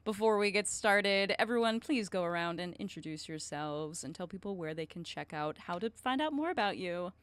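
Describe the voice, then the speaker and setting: A woman's voice: on the low side, expressive, normal speed, hardly any pauses, a bit bright, clear, resonant tone, no echo. Casual woman hosting, dry sound. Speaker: stream host. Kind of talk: casual chat, introducing guests.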